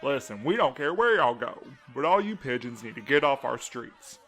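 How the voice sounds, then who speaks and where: A man's voice: medium pitch, very animated, moderate pace, a bit bright. A man playing a large, aggressive protester in an audio drama, confrontational and coarse. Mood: hostile, aggressive. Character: large aggressive hostile male protester, bullying townsman.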